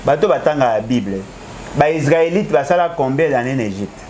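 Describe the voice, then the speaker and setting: In a noisy setting, this male political commentator speaks with a mid-range, expressive voice at a slightly fast pace. Locked in a heated political debate, he lectures argumentatively, claims he cannot be contradicted, and alternates between French and Lingala.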